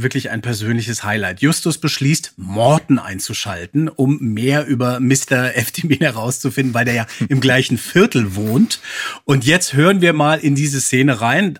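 A man hosting a podcast, moderating a casual discussion with a slightly husky voice. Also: medium pitch, fairly bright tone. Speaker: podcast host.

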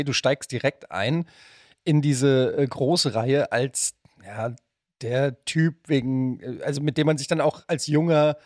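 A middle-aged man hosting a casual interview podcast, joking and phrasing things haltingly. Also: medium pitch, a little mellow, no echo, studio quality. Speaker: podcast host. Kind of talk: casual chat, interviewing a guest.

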